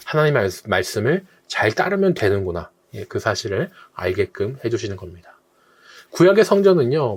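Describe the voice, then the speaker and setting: A man's voice: on the low side, slightly rough. A man, a pastor, leading a Bible meditation, rising on the openings of phrases, falling at the ends, and acting out quoted challenges in a brusque voice.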